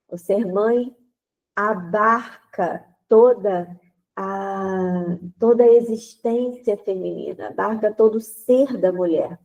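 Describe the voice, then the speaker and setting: A congested woman with a stuffy nose leads a prayer, then teaches a Catholic women's group. She talks gently and deliberately and repeats phrases while she searches for words. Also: mid-range voice, lo-fi sound. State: congested, nasal from sinusitis.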